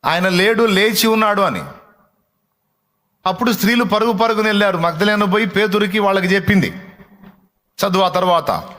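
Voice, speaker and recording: A man's voice: high-pitched, normal speed, pauses often. A male preacher, preaching expressively and acting out the people of the scripture story. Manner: expressive, voices dramatic quotes, affirms reader with short "aa". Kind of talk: sermon with Bible reading.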